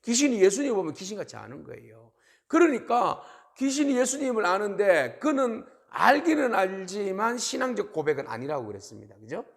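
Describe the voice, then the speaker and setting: A male pastor giving a sermon, telling the story with animated emphasis. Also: high voice, brisk, vocal fry.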